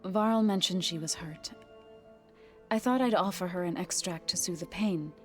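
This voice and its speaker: A woman playing a gentle, devout tribal healer in a game cutscene, measured and earnest with formal phrasing. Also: lowish voice, natural voice. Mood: concerned. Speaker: video game companion character. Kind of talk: naturalistic game cutscene acting. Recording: music behind the voice.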